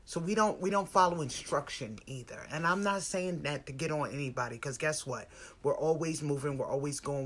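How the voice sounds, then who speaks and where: A woman's voice: sits low, a bit bright. A woman in her forties with an American accent, hosting a casual, motivational live stream in a conversational, emphatic way, often repeating phrases for stress. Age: 40s. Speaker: spiritual lifestyle live-stream host.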